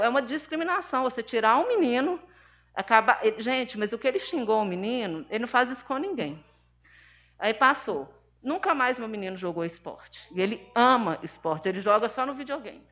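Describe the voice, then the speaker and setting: At a seminar, a Brazilian mother of an autistic son gives an emphatic, indignant personal testimony, acting out the dialogue in her story with a Brazilian Portuguese accent. Her voice is on the high side, gravelly and a bit bright, and the recording sounds dull and lo-fi.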